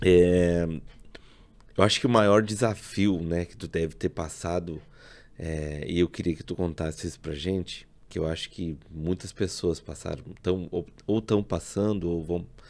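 Very deep, low male speech, fairly slow, with fairly even intonation. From Rio Grande do Sul, Brazil. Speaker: podcast host. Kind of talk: interview. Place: studio. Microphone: studio mic.

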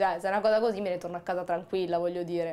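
Her pitch sits in the medium range for a woman, and the woman's intonation stays fairly even. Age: 30s. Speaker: interviewee. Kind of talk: interview testimony. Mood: calm, reflective. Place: kitchen.

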